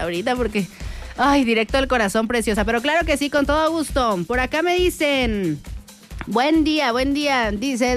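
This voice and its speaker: A woman with a northern Mexican Spanish accent hosting a chatty, effusive live radio show, reading listener messages and using affectionate diminutives. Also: sits high. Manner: effusive, uses pet names and diminutives. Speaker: radio host. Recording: radio broadcast with music underneath.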